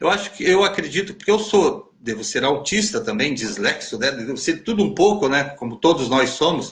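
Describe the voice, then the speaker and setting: A man speaks at a high pitch with very wide pitch swings. He leaves hardly any pauses. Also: moderate pace. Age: 60s. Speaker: spiritual mentor and event organizer. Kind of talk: live stream conversation. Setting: online live stream. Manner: halting.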